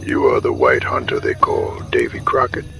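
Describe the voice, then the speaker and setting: An actor playing a grave Native American chief who tells legends in a solemn, deliberate, formal way in an audio drama. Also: male voice, very deep voice, big pitch swings, vocal fry, over music, exaggerated voice. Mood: grave, ominous.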